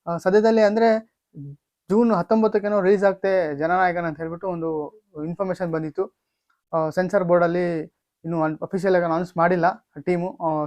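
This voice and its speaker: A man hosting a casual news update video, speaking haltingly with drawn-out hesitations and repeated stock phrases. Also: on the high side, dry recording. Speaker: YouTube channel host. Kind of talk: casual film and gaming news update to camera or mic.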